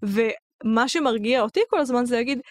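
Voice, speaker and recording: A woman's voice: a little high, no room sound. Thoughtful young woman thinking aloud. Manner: thoughtful, talks through ideas with many fillers. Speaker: podcast co-host. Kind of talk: casual book-discussion chat.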